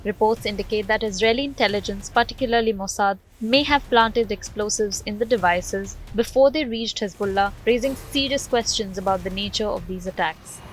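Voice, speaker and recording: A woman's voice: medium pitch, fairly quick, hardly any pauses, low-quality recording. A woman reading a scripted news voice-over as the narrator of a report. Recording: background music under voice-over. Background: music bed.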